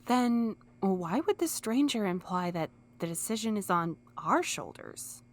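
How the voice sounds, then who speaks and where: A woman playing a gentle, earnest, sometimes exasperated courier in an audio drama. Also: mid-range voice, expressive, a little slow, lightly acted. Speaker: voice actor in a fiction podcast. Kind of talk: scripted audio drama acting.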